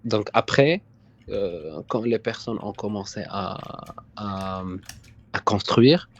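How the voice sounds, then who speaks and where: A young man from Morocco speaks in a fairly low voice over a muffled, dull call line. He answers slowly and haltingly, often restarting his sentences. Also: a little hiss or hum. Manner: hesitant, repeats words, often says "sincèrement". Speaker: guest. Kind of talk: casual interview on a live stream.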